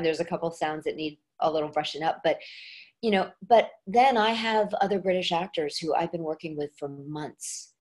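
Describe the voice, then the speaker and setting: A woman's voice: sits low, a little mellow. A woman dialect coach and actress, talking casually in an interview with many restarts and fillers.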